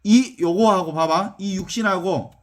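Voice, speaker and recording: A middle-aged man, a Catholic priest, preaching a sermon in a folksy, animated way and often asking his listeners whether they agree. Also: sits high, unhurried. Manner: animated, folksy, asks listeners "right or not?". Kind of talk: sermon with text reading.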